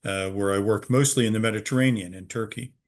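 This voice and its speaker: A middle-aged American man with a lowish voice gives a measured history explanation over a video call. He pauses often with "uh" as he builds his points. He is a museum researcher speaking as an interview guest. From Virginia, USA.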